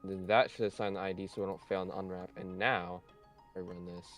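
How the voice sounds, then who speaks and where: A man's voice: low voice, level tone, fairly quick, a bit bright, faint music behind. A young man coding on a live stream with a friend, explaining each step in a plain, matter-of-fact way. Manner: matter-of-fact, narrates what he is doing. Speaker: co-developer, stream guest. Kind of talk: casual live coding chat.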